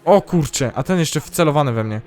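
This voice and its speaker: A man's voice: on the high side, expressive, brisk, darkish tone, faint music behind. Chatty male gamer commenting on play. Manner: chatty, self-mocking, talks to himself. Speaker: gaming channel host. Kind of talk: casual let's-play commentary.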